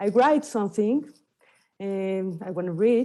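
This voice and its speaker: A woman with a Spanish accent speaks at a fairly high pitch with ordinary pitch variation. Her tone is dark and mellow. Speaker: actress, filmmaker's widow. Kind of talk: prepared statement read aloud. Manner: halting, with fillers.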